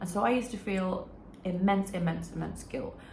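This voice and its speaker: A woman speaks at a fairly quick pace with lively intonation. Noticeable background noise runs beneath her voice. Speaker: self-improvement vlogger. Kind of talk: casual talk to camera.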